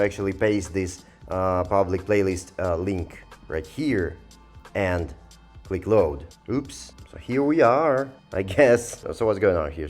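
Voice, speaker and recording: A man giving a casual, rambling software review, thinking aloud in a hesitant and sardonic way as he goes. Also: low voice. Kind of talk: casual screen-recorded review commentary.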